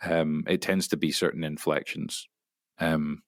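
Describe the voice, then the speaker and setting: A man with a Scottish accent, a voice actor talking as a guest in a casual interview, explaining at length and often pausing to restart. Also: rumbling low, flat delivery, no room sound, clean studio sound. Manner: rambling, explanatory, halting with many restarts.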